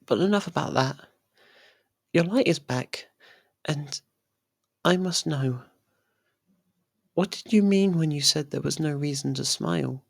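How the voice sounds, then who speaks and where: A performer voicing a possessive, lovestruck young faerie royal in an intimate ASMR roleplay, speaking softly and haltingly. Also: medium pitch, creaky, no echo, clean studio sound. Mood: tender, concerned. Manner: hesitant, halting, soft and pleading.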